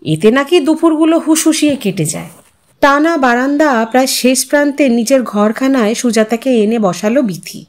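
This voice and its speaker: A woman narrates an audio story in a fairly high voice. Her pitch moves freely as she reads, giving the literary prose a dramatized, musing feel. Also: animated, normal speed, a little mellow. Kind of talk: expressive scripted story narration.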